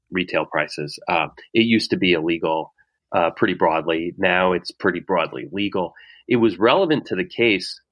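A middle-aged male author, a guest in an interview, explains his ideas casually and thoughtfully, hesitating with frequent pauses and restarts. His voice sits low and has a slightly bright edge.

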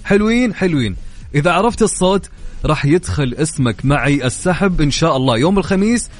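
A young man with a Saudi accent hosting a lively radio show, chatty and upbeat, answering his own questions. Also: a little high, quick pace. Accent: Saudi Arabic. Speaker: radio host. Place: radio studio. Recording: studio radio with faint music.

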